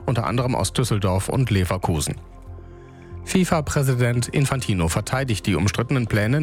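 A man reading scripted regional news on the radio in a calm, measured, even delivery. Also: medium pitch. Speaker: newsreader. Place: radio studio. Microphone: close studio microphone.

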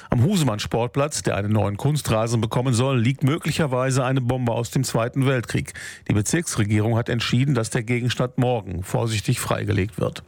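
Man, regional news, gravelly voice, dry close sound. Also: mid-range voice, dry recording. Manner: calm, formal. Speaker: regional newsreader. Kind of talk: scripted news reading.

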